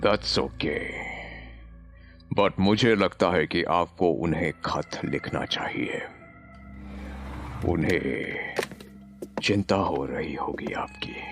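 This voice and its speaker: Over clear music in the background, a man uses a put-on character voice with a very deep, low pitch, speaking at a very slow pace with long, frequent pauses. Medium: audio drama. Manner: menacing, mixing English and Hindi.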